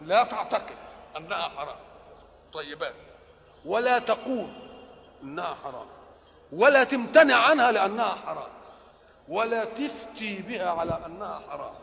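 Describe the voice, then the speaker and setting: Egyptian man preaching with a high, gravelly voice. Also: expressive, moderate pace, long pauses, fairly bright tone. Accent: Egyptian Arabic. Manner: asks rhetorical questions and answers them himself. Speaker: religious lecturer. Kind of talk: sermon explaining scripture. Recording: dull lo-fi recording with long hall reverb.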